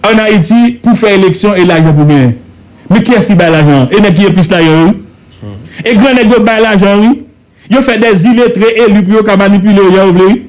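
Speaking in a radio studio, a man with a Haitian accent and a remarkably high-pitched voice offers passionate political commentary on a talk show. He pounds his arguments with repeated phrases and rhetorical questions, at a normal speed and with a somewhat dark tone.

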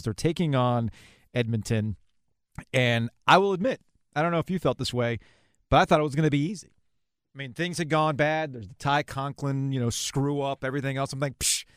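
A man's voice: mid-range voice, lively intonation, brisk, smooth, no echo. Man hosting a dry, close-sounding sports podcast. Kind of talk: conversational sports interview.

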